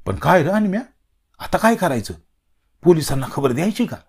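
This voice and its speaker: A man's voice: on the high side, very animated, fairly quick, breathy edge, voice pushed up, exaggerated voice. A man doing a fretful village man, Ramya. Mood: worried. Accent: rural Marathi dialect. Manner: fretful, pleading. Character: anxious village man who keeps urging a police report.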